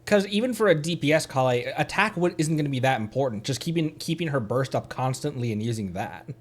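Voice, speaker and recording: A man's voice: medium pitch, animated, fast talker. A man giving casual live commentary on a gaming stream, rambling and thinking aloud as he goes. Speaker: streamer and host.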